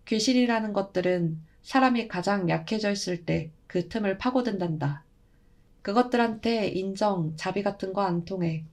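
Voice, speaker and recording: A woman's voice: medium pitch, a little mellow, close to an everyday voice. A woman voicing an elderly shaman grandmother who lectures bluntly in old-fashioned speech.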